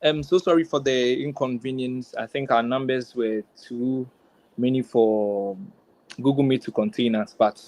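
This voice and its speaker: Man, medium pitch, informal webinar co-host, urging, repetitive phrasing. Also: steady tone, measured pace, darkish tone, no echo, low-quality recording. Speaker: co-host welcoming attendees. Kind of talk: informal live webinar hosting.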